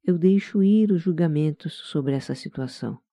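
A gentle, calm Brazilian-accented voice narrates a guided meditation in the manner of scripted relaxation. The voice is mid-range, very dark and velvety, and moves at normal speed. The sound is close and dry, with no room sound at all.

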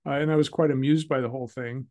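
A man, a guest in an interview, calmly telling a personal story with hesitant fillers. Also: medium pitch, fast talker. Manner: calm and reflective, with hesitant fillers.

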